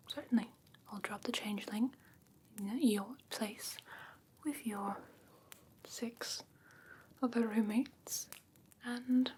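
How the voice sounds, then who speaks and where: A woman playing a doting, slightly haughty fae creature in a soft, breathy ASMR whisper, gentle and genteel with coaxing endearments. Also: a little high, full character voice. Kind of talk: whispered ASMR fantasy roleplay.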